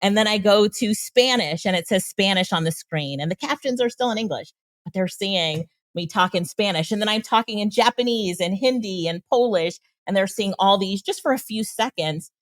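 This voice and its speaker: A woman's voice: mid-range voice, moderate pace, no echo. A woman guest on an interview show, explaining tools with enthusiasm and frequent laughs. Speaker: guest, AI trainer and consultant. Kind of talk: casual interview talk.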